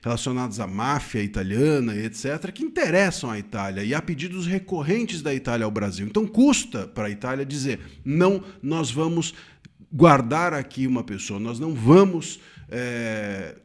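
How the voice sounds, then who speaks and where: A man's voice: mid-range voice, animated, normal speed. A man from Brazil giving earnest solo commentary on a legal case, emphatic and often restarting his words. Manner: earnest, emphatic, with frequent self-corrections and restarts.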